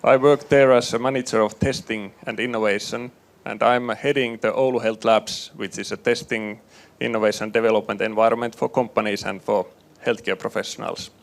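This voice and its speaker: A man from northern Finland, a hospital innovation manager, giving a measured panel presentation with frequent fillers into a conference microphone. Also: lowish voice, steady tone, vocal fry. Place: conference room with live panel. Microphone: handheld or table microphone.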